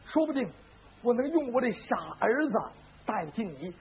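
A male storyteller voicing a loyal, cautious old steward who speaks slowly and humbly, on a lo-fi recording. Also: very high-pitched, very animated, heavily acted. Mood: urgent. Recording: lo-fi phone-like band with faint hiss.

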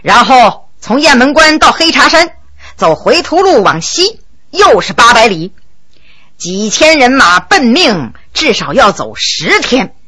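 A woman voicing a bold, blunt low-ranking male county magistrate who talks in a cool, sly, deliberate way. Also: very animated, sharp tone, slightly rough, full character voice.

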